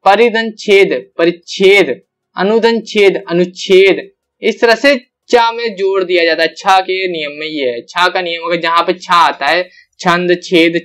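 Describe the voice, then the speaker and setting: A young male teacher with a high voice talks through a grammar lesson from his computer. He works step by step, repeats each example and stretches out the syllables. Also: a bit bright.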